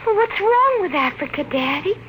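A spoiled little girl in an old radio play. The voice is extremely high, childish and petulant, with a sly edge. It comes through a dull 1950s recording. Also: very animated, normal speed, slight background noise. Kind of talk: 1950s radio drama acting.

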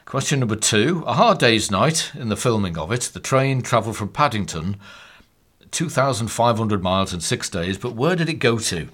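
Scouse guy co-hosting a podcast, lowish voice, casual, reads out quiz questions. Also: expressive, normal speed, a bit bright. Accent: Liverpool Scouse. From Liverpool, England. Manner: chatty, says "aye" often. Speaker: podcast co-host.

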